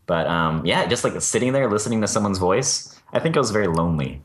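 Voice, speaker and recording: Male podcast co-host, very low voice, halting delivery with lots of ums. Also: animated. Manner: hesitant, halting, with fillers. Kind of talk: casual conversational chat.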